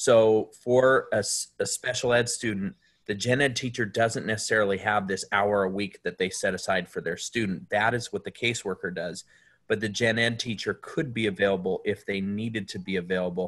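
An unremarkable speaking voice from a man, fairly low in pitch, at a fairly quick pace with ordinary pitch variation, over a quiet background. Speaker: online school administrator. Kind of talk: webinar discussion. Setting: video call. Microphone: video call.

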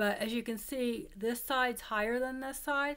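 A woman at a fairly slow pace with ordinary pitch variation, against a quiet background. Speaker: vlogger. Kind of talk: casual vlog chat. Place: home room. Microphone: phone near.

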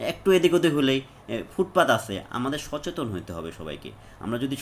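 Over light background noise, a man talks at a medium pitch with very wide swings in his pitch. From Bangladesh. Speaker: vlogger. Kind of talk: casual vlog narration; casual vlog chat. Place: street. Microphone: phone near.

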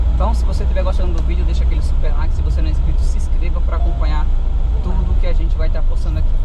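Amid loud background noise, a man speaks at a very fast pace. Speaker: road trip vlogger. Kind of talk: casual vlog chat. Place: car.

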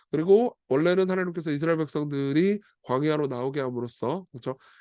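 Against a quiet background, a man with a fairly high pitch talks at a fairly quick pace in a relaxed, dark, mellow tone, his intonation lively and the sound dry and close with no echo. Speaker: pastor. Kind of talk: sermon. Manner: conversational, relaxed.

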